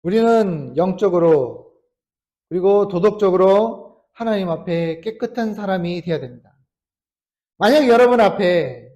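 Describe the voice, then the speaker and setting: High-voiced man preaching a story. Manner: storytelling with acted quotes, shifting from loud to hushed. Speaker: Salvation Army officer preaching. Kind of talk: sermon.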